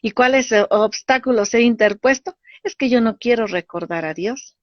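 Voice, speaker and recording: A woman, a spiritual teacher explaining ideas in a lively way and acting out little dialogues. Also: a little high, moderate pace, dry recording. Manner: animated, acts out voices in dialogue. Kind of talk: teaching talk. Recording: dull lo-fi dry sound.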